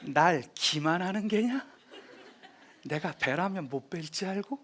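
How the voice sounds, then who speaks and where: Man playing a loud domineering old king. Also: high voice, a little slow, a faint crowd. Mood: scornful. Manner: loud, commanding, scornful. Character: stern domineering old king, a forceful father.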